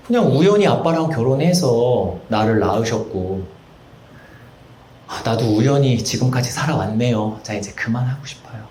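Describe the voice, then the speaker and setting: Casting: man doing a despairing grown son, low and subdued, echoey room. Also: darkish tone, slight background noise, lightly acted. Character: despairing young adult son, quiet and flat.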